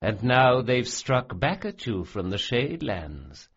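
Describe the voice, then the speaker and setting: A man's voice: medium pitch, big pitch swings, slow, a bit bright, husky, highs cut off, full character voice. A man voicing a smug, cruel male sorcerer who sneers and relishes every cruelty. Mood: gloating.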